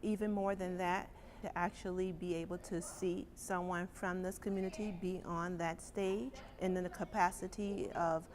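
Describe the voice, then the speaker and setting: A woman's voice: fairly low pitch, steady tone, moderate pace, darkish tone. A woman from the Charleston area speaking in an interview. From Charleston area, South Carolina. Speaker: interviewed reading participant. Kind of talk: interview talk.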